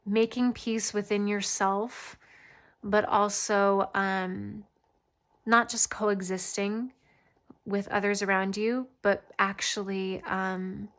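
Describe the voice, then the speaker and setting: Woman giving spiritual reading, even-toned. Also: mid-range voice. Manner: hesitant, pausing to listen mid-thought. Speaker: tarot reader and channeler, host. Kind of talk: casual spiritual guidance, channeled reading.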